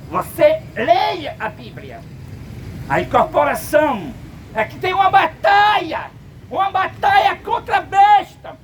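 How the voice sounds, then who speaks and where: A man with a Brazilian accent preaching an emphatic open-air sermon that rises into shouts. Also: very high voice. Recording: distant mic, loud street traffic.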